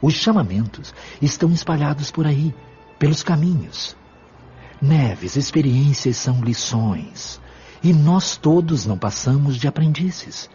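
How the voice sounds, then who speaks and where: A man playing a calm, wise spirit mentor in an audio drama, speaking patiently and firmly with measured, formal, didactic diction. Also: a little high, soft background music. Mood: calm, instructive. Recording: dull lo-fi audio.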